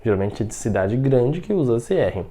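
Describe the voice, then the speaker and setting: A Mandarin teacher with a Brazilian Portuguese accent gives a language lesson in a medium-pitched, sing-song, warm voice. He explains patiently, keeps checking in with the learner, and slows right down to model example sentences.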